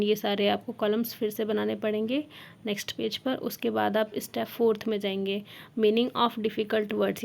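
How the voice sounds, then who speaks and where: A woman explaining a lesson plan. She reads the lines slowly, then explains each one in Hindi. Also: medium pitch, creaky, darkish tone. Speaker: teacher trainer.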